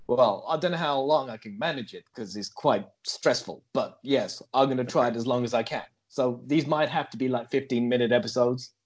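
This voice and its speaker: A man's voice: mid-range voice, brisk, few pauses, lightly acted. Man putting on an affected American podcaster voice. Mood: mock-sincere. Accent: put-on American. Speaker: podcast co-host. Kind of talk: casual comic banter.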